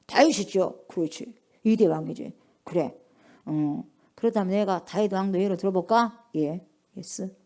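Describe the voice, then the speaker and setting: A middle-aged woman pastor preaching a lively sermon, asking the congregation questions and acting out little dialogues. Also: medium pitch, normal speed. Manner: lively call-and-response preaching, acts out dialogue.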